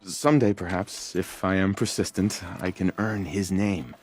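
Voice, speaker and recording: A man playing an earnest, eager self-taught tribal naturalist in a video game, musing in a wonderstruck, halting, self-important way. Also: low-pitched, fairly even intonation. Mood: admiring. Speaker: non-player character in a video game. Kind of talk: video game dialogue acting.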